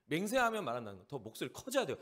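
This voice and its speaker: A man from Jeolla, South Korea, preaching as a pastor at a youth service, animated and acting out the people he describes. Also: a little high, racing. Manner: animated, acts out the lines of the people in the story.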